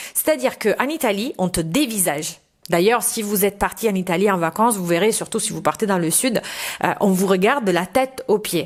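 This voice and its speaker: At a medium pitch and a fairly quick pace, a woman talks in an unremarkable speaking voice. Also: lively intonation. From Italy. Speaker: interviewee, beauty blogger. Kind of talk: interview.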